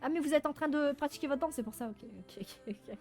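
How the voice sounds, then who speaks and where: Female game streamer, high voice, playful and self-mocking, chatty live commentary over faint music. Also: fast. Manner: animated, frequent laughing and exclaiming. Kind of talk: casual live gaming commentary.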